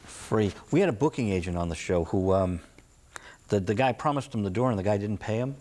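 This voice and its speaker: A man's voice: fairly low pitch, expressive, a little fast, a little mellow. A man hosting an interview in a casual, chatty style. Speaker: interviewer, show host. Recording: clearly noisy background.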